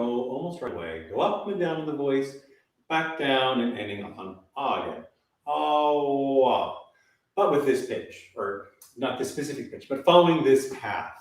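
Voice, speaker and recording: Calm male voice teacher, echoey room. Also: on the low side, recorded from a distance. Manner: calm, coaching, demonstrates sighs and sung vocal exercises. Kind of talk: live online vocal warm-up lesson. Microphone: camera mic at a distance.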